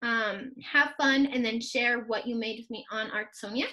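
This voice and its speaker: A woman with a high pitch, recorded against a quiet background. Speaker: art teacher. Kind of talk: tutorial. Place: home room. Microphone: webcam.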